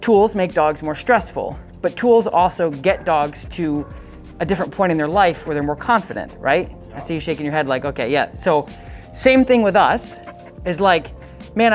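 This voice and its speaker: A woman working as a dog trainer, coaching owners in a casual, chatty way and breaking off to give the dog short, upbeat commands. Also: fairly low pitch.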